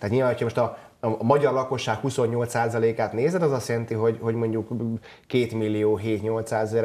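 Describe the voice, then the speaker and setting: A man with an unremarkable speaking voice delivers his words at a fairly quick pace. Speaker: football pundit. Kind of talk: studio panel discussion. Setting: studio. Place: studio. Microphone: lapel.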